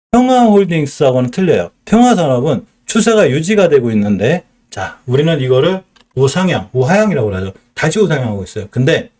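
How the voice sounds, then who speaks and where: Animated man with Chungcheong accent. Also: mid-range voice. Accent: Chungcheong Korean. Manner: lively, explanatory, asks and answers his own questions. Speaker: stock market streamer. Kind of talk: live-stream stock chart lesson.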